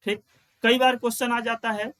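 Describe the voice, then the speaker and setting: A man with a high voice teaches an exam-prep grammar lesson. He explains step by step, repeats the key lines and answers his own questions as he writes on the board. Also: little pitch movement, a bit bright. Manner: chants rules in a slow sing-song.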